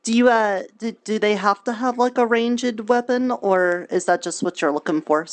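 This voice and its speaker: A woman roleplaying an earnest, naive, cheerful young preacher, talking in a halting, childlike way with folksy grammar. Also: mid-range voice, close to an everyday voice. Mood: helpful, earnest. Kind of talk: improvised virtual reality roleplay.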